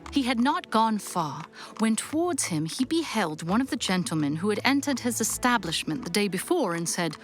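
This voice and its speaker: A woman narrating a Victorian Christmas tale as the storyteller of a radio play, in an expressive scripted style. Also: mid-range voice, normal speed, few pauses, soft background music, natural voice. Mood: delighted.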